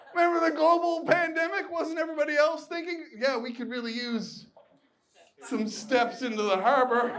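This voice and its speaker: This speaker has a Nova Scotian accent and an animated tone at a moderate pace. Audible room echo surrounds the voice. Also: man, extremely high pitch for a man, lively intonation. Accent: Nova Scotian Canadian English. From eastern Canada, Dartmouth side of Halifax, Nova Scotia. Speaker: stand-up comedian. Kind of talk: stand-up. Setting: stage with audience.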